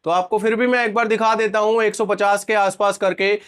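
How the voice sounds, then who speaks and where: A man's voice: high voice, fairly even intonation, fairly quick, fairly bright tone, clear, resonant tone. A man hosting a casual product review vlog with a sore throat, chatting viewers through a live test. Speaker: product reviewer, channel host.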